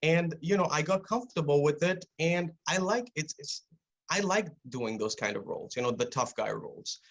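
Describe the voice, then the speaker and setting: A young man, an actor, answering interview questions in a relaxed, chatty way with lots of fillers, over a remote call. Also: fairly high pitch, moderate pace, dull audio. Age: young adult. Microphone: remote video call.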